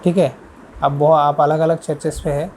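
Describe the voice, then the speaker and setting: A man's voice: a little high, level tone, moderate pace, a little mellow, a little hiss or hum, low-quality recording. A male pastor delivering an earnest sermon, repeating words for emphasis.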